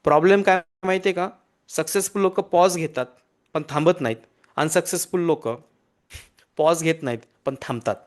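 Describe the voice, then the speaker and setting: A man giving a lively counseling lecture over a video call. He repeats key points, checks in with his listeners often and slips English phrases into his speech. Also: on the high side, normal speed. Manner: energetic, repetitive, mixes in English phrases. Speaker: counselor and hypnotherapist. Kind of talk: motivational online lecture.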